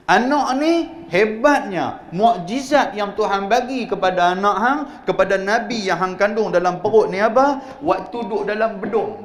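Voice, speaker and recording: A male religious teacher with a northern Malay accent, giving a mosque lecture on scripture with lively storytelling, humorous asides, and frequent questions to the congregation. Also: sits high. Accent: Northern Malay (Kedah-Penang). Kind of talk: mosque sermon-lecture on Quran commentary. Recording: echoey live-stream hall audio with faint hum.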